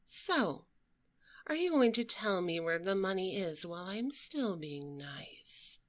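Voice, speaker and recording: A woman playing a sassy, menacing female dragon debt collector for the mob in a close, soft-spoken ASMR roleplay, with a cool, taunting, condescending delivery. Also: medium pitch, very animated, slow. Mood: calm, threatening. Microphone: close binaural microphone.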